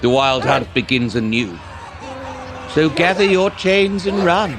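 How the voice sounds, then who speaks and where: A man's voice: fairly high pitch, lively intonation, unhurried, over loud music, over a noisy crowd. An actor playing a cruel, gloating elf lord in an audio drama, theatrical and mocking as he savors each word. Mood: sadistic delight. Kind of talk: audio drama villain acting.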